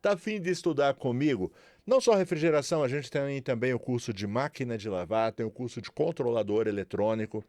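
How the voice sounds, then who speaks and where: A Brazilian man with a São Paulo accent talks through a refrigeration lesson in a chatty, selling tone. His pitch sits in an ordinary middle range. The recording is dry and close, with almost no room sound. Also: darkish tone, no echo. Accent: Brazilian Portuguese, São Paulo. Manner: chatty, promotional, repeats tags like "certo?" and "beleza?". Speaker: refrigeration instructor. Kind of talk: casual tutorial talk to viewers.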